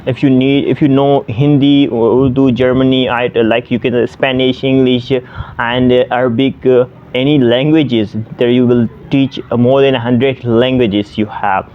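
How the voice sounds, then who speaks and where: A man's voice: mid-range voice, flat delivery, a little slow, phone-quality sound, a little hiss or hum. A man in his twenties from Pakistan, a native Sindhi speaker, talking casually to the camera as an online language tutor, with many fillers and restarts. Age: 20s.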